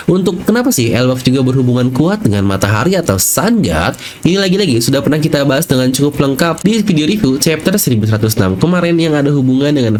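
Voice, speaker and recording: A man's voice: mid-range voice, a little mellow, slight background noise. A man hosting a channel, narrating fan theories in a chatty, step-by-step way with casual fillers. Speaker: channel host.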